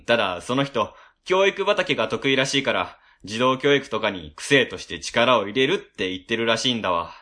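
A man playing an excitable, flustered office worker. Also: medium pitch, normal speed, few pauses. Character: flustered, excitable male civil servant. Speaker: ward office staffer. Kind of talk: amateur web radio drama acting.

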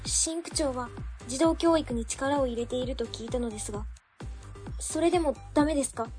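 A woman's voice: sits high, normal speed, darkish tone, faint music behind, natural voice. A woman playing an earnest young staffer. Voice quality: earnest and pleading. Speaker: ward office staffer. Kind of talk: amateur web radio drama acting.

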